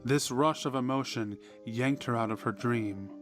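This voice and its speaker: A man reading a scripted horror story in a measured, deliberate way, with dramatic pauses. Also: mid-range voice. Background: background music.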